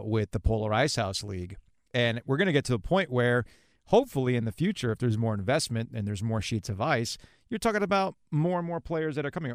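A man's voice: fairly low pitch, no echo, clean studio sound. A man in his forties hosting a sports podcast, chatting informally in a casual interview style. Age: 40s. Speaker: podcast host.

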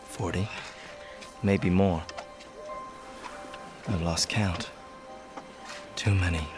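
An actor playing a proud, brooding Native American man in a radio drama, speaking formally and with deliberate intensity. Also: deep voice, fairly even intonation. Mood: somber, weary. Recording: radio play with loud music underneath.

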